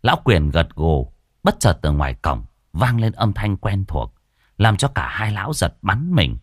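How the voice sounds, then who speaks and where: A male storyteller telling a village ghost tale. His voice sits low but swings widely, dramatic and animated. The recording is close and dry. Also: a little slow, husky, no echo.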